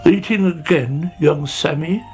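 A storyteller voicing a slow, disapproving old male snail who sighs as he scolds. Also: medium pitch, a little mellow, soft background music, voice pushed up, natural voice. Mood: scolding. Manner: sighing, disapproving.

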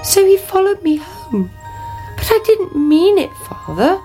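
A woman voicing a reluctant young princess in a high, pleading voice, with music behind. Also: big pitch swings, a little slow, dark tone, heavily acted. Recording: music playing underneath.

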